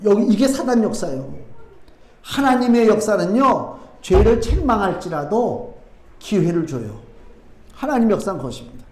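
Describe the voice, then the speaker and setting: A man's voice: sits high, very animated, normal speed, darkish tone. A middle-aged male pastor preaching a sermon in a conversational way, asking the congregation rhetorical questions and slipping in homely asides. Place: church sanctuary. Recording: echoey church room.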